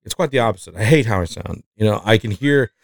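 Low-voiced man with a slight Mexican accent. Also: lively intonation, quick pace, creaky, dry recording. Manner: rambling, self-reflective, many fillers and restarts. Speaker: podcast host. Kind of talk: casual podcast chat.

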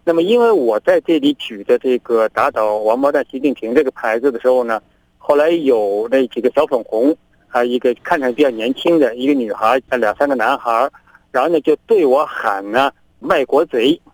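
A middle-aged man from China, a guest on a remote link, telling events in a lively way and acting out both sides of each argument. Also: mid-range voice, a little fast, no echo, rough recording. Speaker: interview guest, activist. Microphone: remote connection.

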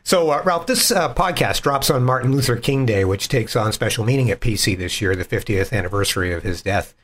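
A man hosting a podcast, asking questions and adding context in a measured way. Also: mid-range voice, expressive, a bit bright. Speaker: podcast host. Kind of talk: conversational interview.

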